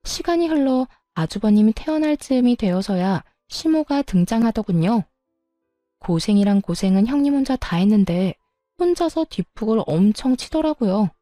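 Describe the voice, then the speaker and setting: A young woman narrates her family story as if confiding to a friend, with a gossipy lilt. Her voice is warm and mellow. The recording is dry and close. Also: on the high side, animated, normal speed, dry recording, faint music behind.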